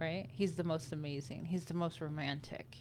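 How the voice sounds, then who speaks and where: A woman speaks with a very deep, low pitch. Her voice is somewhat breathy. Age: 40s. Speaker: manifestation coach. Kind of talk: live stream chat. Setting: Facebook live stream. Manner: casual, halting.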